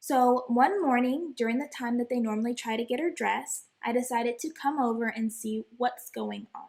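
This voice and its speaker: Speaking at a moderate pace with hardly any pauses, a woman has a high pitch and ordinary pitch variation. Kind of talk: educational tips talk. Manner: casual, conversational.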